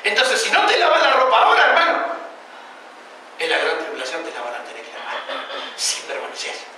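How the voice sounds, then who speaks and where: A man's voice: very high-pitched, wildly swooping pitch, a little fast, sharp tone, slight background noise. A man from Argentina with an Argentine Spanish accent, preaching a sermon with passion and firing rhetorical questions at his listeners. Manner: impassioned, addresses listeners as brother, rhetorical questions. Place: church hall. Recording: echoey church hall, mic at a distance.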